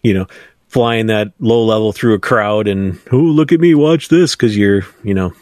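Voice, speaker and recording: Deep-voiced middle-aged man, wry and matter-of-fact, dry close mic. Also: moderate pace, darkish tone, dry recording. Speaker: podcast co-host. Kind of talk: casual chat.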